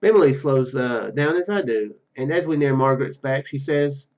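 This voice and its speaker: A man's voice: mid-range voice, expressive, moderate pace, darkish tone, dull audio. A man hosting a let's play, reading story narration aloud with stumbles and casual asides. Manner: stumbles over words while reading. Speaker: gaming video host.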